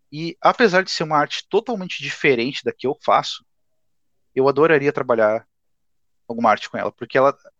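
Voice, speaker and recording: Over a quiet background with a dry, close sound and no echo, a man talks at a fairly quick pace and fairly high pitch, his pitch swinging very widely. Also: long, frequent pauses. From Rio Grande do Sul, southern Brazil. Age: 20s. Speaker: digital artist. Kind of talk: casual chat.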